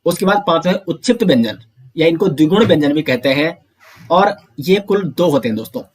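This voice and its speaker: A man with a somewhat high voice teaches an online grammar lesson. He works through the material step by step, asks questions and answers them himself, and calls the listeners his friends. When drilling pronunciation, he says each sound out slowly. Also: animated, breathy edge. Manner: often addresses listeners as friends.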